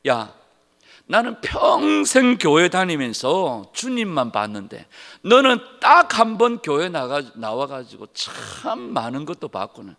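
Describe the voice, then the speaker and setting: A calm, devout old mother, voiced by a man, answers gently and slowly. The tone is soft and lively in pitch. A long church-hall reverb hangs behind her words. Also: vocal fry, full character voice. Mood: gentle.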